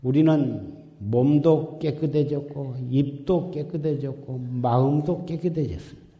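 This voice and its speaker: A man's voice: medium pitch, unhurried, highs cut off. A man giving an exhorting Buddhist sermon as dharma teacher, recorded in a temple hall. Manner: exhorting, repetitive, admonishing. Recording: echoey hall with long reverb.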